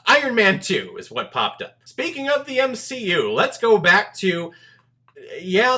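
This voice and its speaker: Animated, bright-voiced man reviewing films. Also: on the high side. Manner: animated, emphatic, informal with swearing. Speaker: film review host. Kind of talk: casual enthusiastic video review to viewers.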